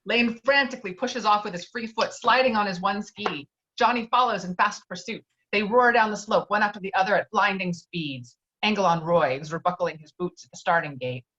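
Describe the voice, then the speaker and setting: A woman's voice: mid-range voice, brisk, few pauses, pushed and bright. A woman reading screenplay stage directions as scripted narration, heard through slightly dull online audio.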